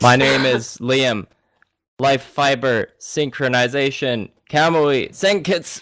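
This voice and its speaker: The speaker is a man with a medium pitch. He talks at a very slow pace. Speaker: anime podcast co-host. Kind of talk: casual chat. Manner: monotone.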